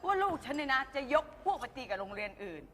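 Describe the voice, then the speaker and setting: A woman playing a pompous, shrill rich mother who bullies the school head in a TV comedy sketch. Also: sing-song, fast talker, a bit bright, in a large hall, a little hiss or hum. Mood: haughty. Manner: haughty, scolding, comic.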